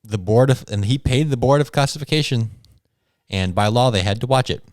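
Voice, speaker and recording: A man's voice: mid-range voice, fairly quick, darkish tone, no echo, studio quality. A man co-hosting a casual podcast, running a joking trivia game for his friends. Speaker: podcast co-host and quiz master.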